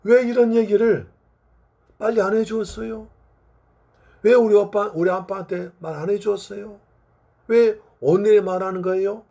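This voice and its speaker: A man's voice: sits high, moderate pace, warm tone. A male pastor voicing a grieving young child who pleads and accuses in a tearful voice while retelling a story in a sermon. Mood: accusing.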